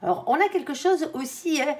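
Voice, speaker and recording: A woman's voice: high-pitched, big pitch swings, brisk, darkish tone. A tired woman giving a casual tarot reading, chatty with many fillers and some stumbling. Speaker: tarot reader.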